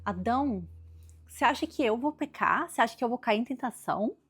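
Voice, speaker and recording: A woman's voice: fairly high pitch, expressive, fairly quick, a bit bright, breathy edge, pitched above the performer's own voice, heavily acted. A woman with a Brazilian accent voicing a naive, self-assured young Eve who talks lightly and turns indignant. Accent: Brazilian Portuguese.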